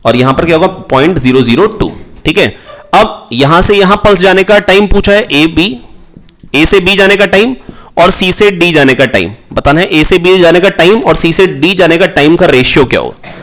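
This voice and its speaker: A man teaching a physics revision class online, coaxing his students, repeating key points and firing quick questions at them. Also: high-pitched, fairly bright tone. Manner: asks rhetorical questions, prompts answers. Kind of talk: online exam-prep lecture.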